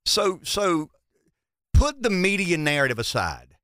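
A man with a thick Southern drawl from the deep South conducts a radio interview. His pitch moves widely and animatedly as he circles into each question in a folksy way. The sound is dry and close. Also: very animated, measured pace, sharp tone, smooth, dry recording.

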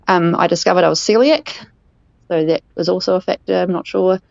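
A woman's voice: fairly low pitch, fairly quick, creaky, darkish tone, no echo. A woman with a New Zealand accent leaving a voicemail, hesitant and searching for words. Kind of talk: voicemail message. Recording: dull lo-fi voicemail.

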